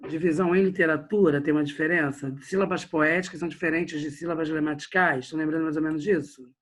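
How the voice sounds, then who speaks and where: Brazilian guy teaching lit online, kinda husky, chats at the class a lot. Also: fairly high pitch, steady tone, quick pace, a bit bright. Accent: Brazilian Portuguese. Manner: chatty, addresses the class directly with frequent tags. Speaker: literature teacher.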